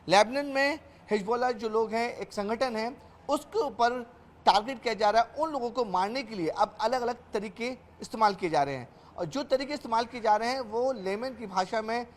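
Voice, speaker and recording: High-pitched male Hindi TV news reporter. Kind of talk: on-camera news explainer and interview. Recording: clear background noise.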